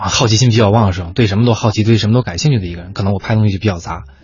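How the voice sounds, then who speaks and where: Over music in the background, a man talks at a very fast pace in a fairly low pitch with ordinary pitch variation. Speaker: independent photographer. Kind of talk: radio interview. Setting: radio studio.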